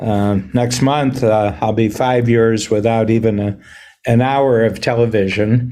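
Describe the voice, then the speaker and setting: With audible room echo, a man talks at a fairly slow pace in a medium-pitched, dark and mellow voice, his intonation fairly even and his loudness very even. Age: 70s. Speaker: entrepreneur coach and author. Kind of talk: interview. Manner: halting, many fillers.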